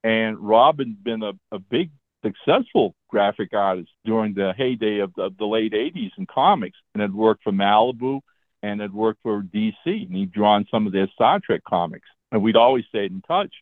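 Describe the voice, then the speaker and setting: A man's voice: fairly low pitch, expressive, moderate pace, no echo. A man in his seventies, a comic book writer, telling stories about his career as a guest in a casual interview. He talks in a chatty way and keeps checking in with "all right?". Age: 70s. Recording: tinny phone-line sound.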